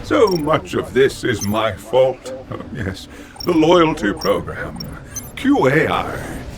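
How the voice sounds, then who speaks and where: A rueful old scientist muttering "oh, yes". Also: male voice, mid-range voice, sing-song, creaky, full character voice. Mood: remorseful. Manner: slow, musing, repeats himself with "oh, yes". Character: elderly eccentric male scientist, remorseful and fatherly. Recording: game cutscene with loud music behind.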